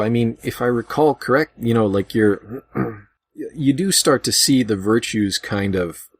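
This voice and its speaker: A man's voice: low-pitched, husky, no echo. A man hosting a casual panel discussion, talking in a rambling, think-aloud way. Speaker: podcast host.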